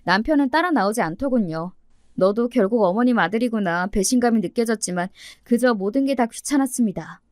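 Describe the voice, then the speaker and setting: Woman reading a family drama story, slightly high voice, dry close mic. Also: lively intonation, fairly quick, darkish tone, dry recording. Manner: reads all the family members' lines herself. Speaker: story narrator.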